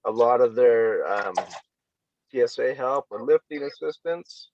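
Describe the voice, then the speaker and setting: A man's voice: medium pitch, a little mellow, muffled recording, a little hiss or hum. A man joining a webinar on a video call, speaking casually and hesitantly. His audio keeps cutting in and out, and the volume rises and drops on a bad internet connection. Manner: hesitant, with pauses and restarts. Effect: audio cutting in and out, uneven volume from a bad internet connection. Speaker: webinar attendee. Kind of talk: casual chat.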